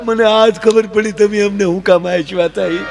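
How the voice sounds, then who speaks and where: Cheeky young son-in-law, played by a man, high wry voice, light music behind. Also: fairly even intonation, moderate pace, vocal fry.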